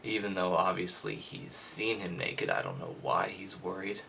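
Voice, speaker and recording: A man's voice: low-pitched, sing-song, moderate pace, gravelly, bright, forceful tone, slight background noise. A man reading aloud casually with off-the-cuff commentary in an irreverent, mocking, skeptical manner.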